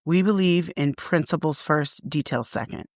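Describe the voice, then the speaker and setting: A woman's voice: low-pitched, normal speed, no room sound. Female podcast host, conversational interviewer, recorded very dry and close.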